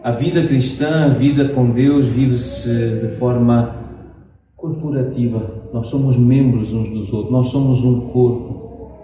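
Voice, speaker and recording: A middle-aged man from Portugal with a European Portuguese accent, preaching a sermon with slow, emphatic pauses. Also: medium pitch, steady tone, dark tone, muffled recording, slight background noise. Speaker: pastor. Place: church sanctuary. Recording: very echoey church, distant mic.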